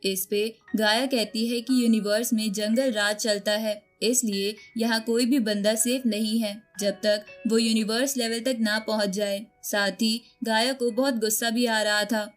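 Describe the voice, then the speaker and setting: A woman's voice: a little high, fairly even intonation, a little slow, few pauses. A woman reading a scripted story recap as a narrator, telling the events in storytelling style. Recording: music bed under the voice. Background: background music.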